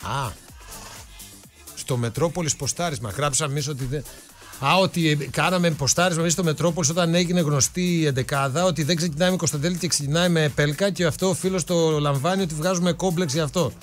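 A man's voice: on the high side, faint music behind. A man co-hosting a radio sports show, reading listener messages and asking puzzled questions. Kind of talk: casual radio banter. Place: radio studio.

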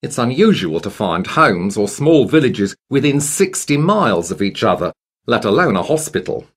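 Husky male textbook narrator. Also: medium pitch, sing-song. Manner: measured, informative. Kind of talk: scripted narration.

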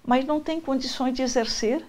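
Measured older woman, slightly high voice. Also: darkish tone. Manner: measured, with many pauses. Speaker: expert interviewee.

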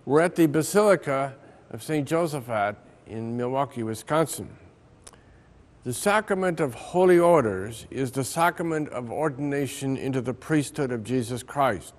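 An older American man, a Catholic priest, reading a scripted religious reflection aloud in a measured, solemn manner. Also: medium pitch. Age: older, around 70. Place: large ornate church interior.

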